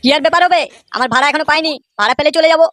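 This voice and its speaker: A woman's voice: high-pitched, very fast, fairly bright tone, dry recording. A woman voicing an aggrieved, foul-mouthed male rickshaw driver in a comedy cartoon, grumbling and cheeky.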